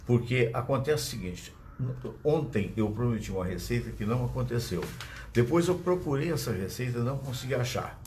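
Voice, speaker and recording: A man's voice: medium pitch, expressive, a little fast, darkish tone, slight background noise. A man with a Brazilian Portuguese accent hosting a live show, chatting in a digressive way and speaking straight to his audience, talking into a phone that he uses as a microphone. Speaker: host. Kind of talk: casual live show commentary. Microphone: phone used as microphone.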